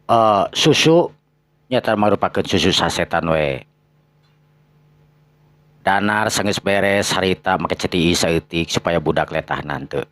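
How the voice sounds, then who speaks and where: A man tells a dramatic tale in a Sundanese accent. His natural register is deep and his narration is expressive, captured dry with almost no room sound. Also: no echo. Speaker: storyteller.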